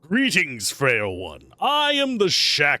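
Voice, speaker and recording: Speaking very slowly, a man puts on a character voice with a menacing tone. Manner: grand, menacing.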